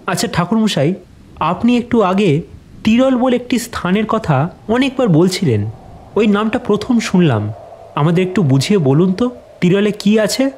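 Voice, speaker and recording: A curious, respectful companion played by a male actor in an audio drama. He has a notably high-pitched voice for a man and speaks politely, as a questioner to his elder. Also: expressive, moderate pace, darkish tone. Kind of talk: scripted audio drama dialogue.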